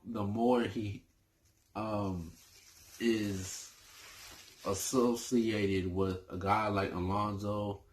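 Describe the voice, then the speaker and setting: A man talks casually about his favorite movies for his channel. He speaks slowly in a lowish voice, often stopping to restart his sentences. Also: level tone, a little hiss or hum. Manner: hesitant, full of fillers and restarts. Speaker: movie review YouTuber.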